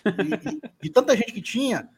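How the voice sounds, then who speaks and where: High, husky man. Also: expressive, moderate pace. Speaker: co-host. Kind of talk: casual storytelling chat.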